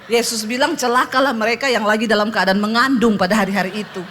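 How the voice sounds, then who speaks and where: Lively high-voiced woman pastor preaching. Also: quick pace, a little hiss or hum. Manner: lively, jokey storytelling with acted quotes. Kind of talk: humorous sermon testimony. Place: church stage.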